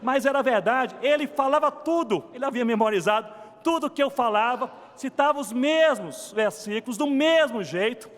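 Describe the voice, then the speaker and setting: A man preaching a sermon to his congregation, telling a story and swinging between soft and emphatic delivery. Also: very high voice, lively intonation, normal speed, long reverb tail. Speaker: pastor. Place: church sanctuary.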